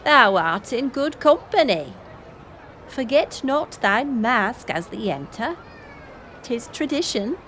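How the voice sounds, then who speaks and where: Village goodwife, played by a woman: unhurried, very animated, hospitable, archaic festival greeter, faint outdoor noise behind. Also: on the high side, full character voice. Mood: welcoming. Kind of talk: archaic-speech audio roleplay acting.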